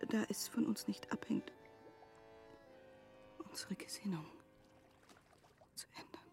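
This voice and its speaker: An earnest gentlewoman played by an actress confides in a literary radio play. She speaks very slowly in a soft, mellow, hushed voice, halting between phrases. Faint music plays behind her. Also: mid-range voice, close to an everyday voice. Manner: halting, breathy, hushed delivery. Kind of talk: literary radio drama acting.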